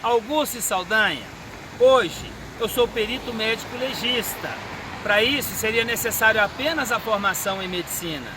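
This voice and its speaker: A Brazilian man in his fifties, a forensic medical examiner, answering interview questions in a measured, teaching manner. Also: high voice, lively intonation. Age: 50s. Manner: measured, didactic. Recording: street and car noise behind.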